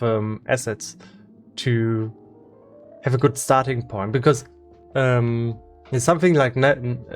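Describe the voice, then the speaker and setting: A man from Germany with a German accent, a game developer chatting casually on a live stream, halting with many restarts and fillers. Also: medium pitch.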